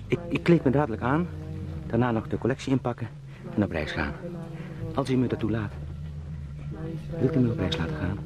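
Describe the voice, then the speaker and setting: An actor in a radio drama playing an anxious travelling salesman turned beetle, pleading and eager to please in halting, formally polite speech. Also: medium pitch, animated, natural voice. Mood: apologetic. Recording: clearly noisy radio play sound.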